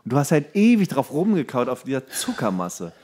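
A man with a mid-pitched voice chats casually as a podcast co-host. He talks in a halting way, feeling around for the right word, in a loose comedic conversational style. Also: wildly swooping pitch, a little mellow.

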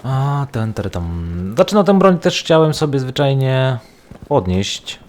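A man giving casual, rambling gameplay commentary, thinking out loud as he plays. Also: mid-range voice, big pitch swings, a little slow. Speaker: gaming video host.

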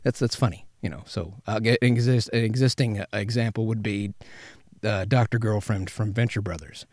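Low-voiced man teaching, dry booth sound. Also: steady tone, brisk, darkish tone, no room sound. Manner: conversational, demonstrates with his voice. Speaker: professional voice actor giving tips. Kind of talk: informal instructional talk to camera. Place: small padded vocal booth, indoors. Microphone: studio condenser with pop filter.

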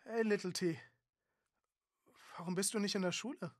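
Awkward, husky-voiced dad. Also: male voice, sits high, moderate pace, no room sound. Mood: surprised. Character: awkward middle-aged father of a teenager. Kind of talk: horror audio drama acting.

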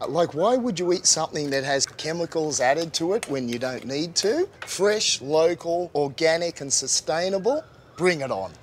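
A man's voice: fairly high pitch, background noise. A middle-aged man with an Australian accent, a chef talking in a blunt, hearty, emphatic way while outdoors in a garden. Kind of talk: casual chat.

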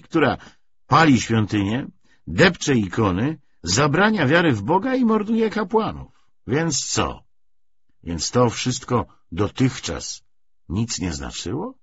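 A man's voice: medium pitch, sing-song, slow, a bit bright, a little hiss or hum, pitched above the performer's own voice. A man voicing a devout elderly father who is bewildered and questioning, speaking in an earnest, pleading, emphatic way. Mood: bewildered indignant. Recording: dull lo-fi recording.

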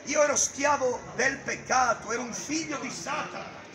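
A middle-aged man preaching loudly on a busy town street, declaiming and gesturing, filmed from a distance by a camera. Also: very high voice, moderate pace. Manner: loud, declaiming, gesturing with a Bible. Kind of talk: open-air street preaching. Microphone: far camera. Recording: echoey street with crowd noise. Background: crowd and passers-by.

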